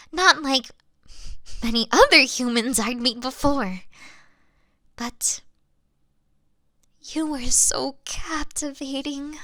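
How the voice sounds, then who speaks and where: A woman acts out a lovestruck yandere elf woman in a fantasy audio roleplay. Her voice is high and bright, sweetly condescending and coy, and she takes her time with theatrical, hushed dips. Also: dry recording, full character voice.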